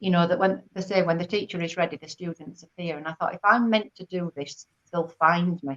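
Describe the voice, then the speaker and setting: A woman with a normal speaking voice talks at a fairly quick pace, with a fairly low pitch and fairly even intonation. Her loudness swings a lot, and the sound is dry and close with no echo. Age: 60s. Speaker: ballet fitness instructor. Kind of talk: casual interview chat.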